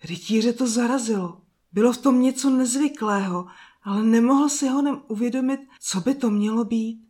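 A woman narrating a fairy tale in a slow, soft storytelling manner with drawn-out pauses. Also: fairly high pitch.

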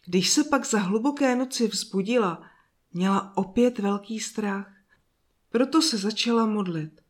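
A woman narrating a children's fairy tale in a calm, soft and slow reading voice. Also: on the high side. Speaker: storyteller. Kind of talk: scripted storybook narration.

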